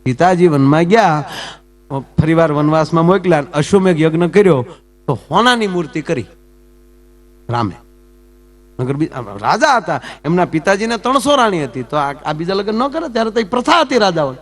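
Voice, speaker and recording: A man's voice: fairly high pitch, sing-song, moderate pace. A man performing folk comedy talk on stage, teasing the audience and jumping between jokes and asides.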